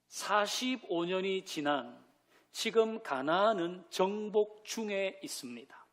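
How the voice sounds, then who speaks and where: A man preaching a Sunday sermon as pastor, who asks the congregation questions, leads them in reading scripture and drops in light joking asides. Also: high voice. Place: church sanctuary.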